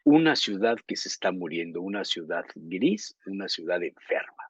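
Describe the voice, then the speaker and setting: Husky-voiced Mexican male co-host with a lowish voice, rambling story-teller, dry muffled sound. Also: very animated, moderate pace, dry recording. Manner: rambling anecdotes, searching for words, laughing. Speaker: journalist co-host. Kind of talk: casual talk show chat.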